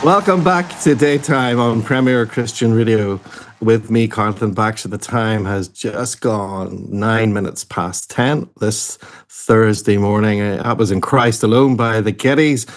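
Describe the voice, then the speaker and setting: A man with a voice on the low side hosts a daytime Christian radio show, introducing and interviewing a guest in a gentle, measured way. When he's unsure, he sometimes repeats words.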